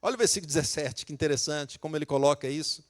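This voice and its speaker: A Brazilian man with a Minas Gerais accent preaches a sermon. His voice sits a little high, and he keeps it conversational, putting questions to the congregation and acting out the lines he quotes. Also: racing. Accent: Brazilian Portuguese, Minas Gerais. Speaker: pastor.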